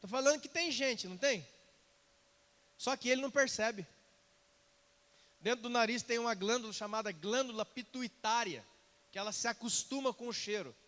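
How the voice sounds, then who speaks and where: High-voiced pastor preaching in a reverberant church. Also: male voice, moderate pace, pauses often. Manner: animated, acts out quoted dialogue, asks congregation questions. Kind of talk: sermon. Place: church sanctuary.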